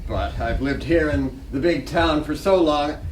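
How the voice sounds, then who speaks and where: A man's voice: fairly high pitch, unhurried, close to an everyday voice. Man playing weary night clerk, distant and echoey. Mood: weary, polite. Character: weary, polite, bored middle-aged hotel night clerk. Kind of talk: dramatic stage reading of 1920s American play. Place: library reading room, live reading. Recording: distant, echoey room with faint noise.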